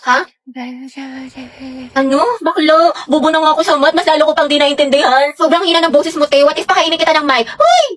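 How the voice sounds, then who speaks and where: A woman's voice: sits high, fairly even intonation, a little fast, fairly bright tone. A woman acting out classmates in a comedy skit, chatty and playfully teasing.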